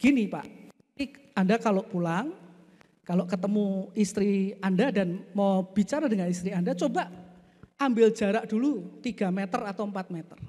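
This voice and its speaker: A preacher voicing a calm male doctor giving patient, measured advice in a low, soft voice. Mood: advising. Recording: echoey church hall.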